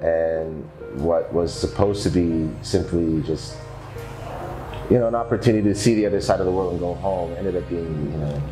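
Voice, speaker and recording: A Canadian man with a very low voice speaks as an interview guest. He takes his time and pauses often as he thinks. His voice rings in an echoey room, with music playing under it. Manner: low-key, thoughtful, many pauses. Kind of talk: casual interview chat.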